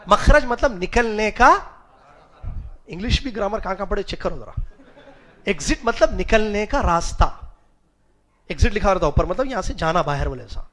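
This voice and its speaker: A man teaching a class on religious history, often questioning his students, slowly spelling out Arabic root letters and mixing English words into his talk. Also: high-pitched, fairly bright tone. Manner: chuckles and jokes with students. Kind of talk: classroom lecture.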